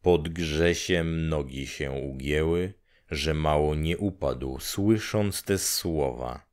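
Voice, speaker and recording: A man narrating a classic story for an audiobook in a calm, measured storytelling manner. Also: very deep voice.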